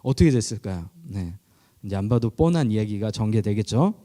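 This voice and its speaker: A man's voice: on the low side, expressive, a little fast, mellow. A Korean male pastor preaching to a youth group, telling stories in a conversational way and asking listeners questions. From South Korea. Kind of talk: sermon. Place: church, online youth service.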